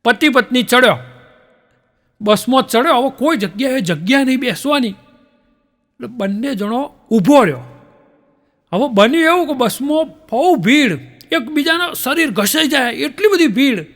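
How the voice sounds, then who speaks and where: High-voiced man telling jokes in a hall. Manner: lively storyteller acting out characters' lines. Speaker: stand-up comedian. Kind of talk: stand-up joke telling. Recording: long hall reverb.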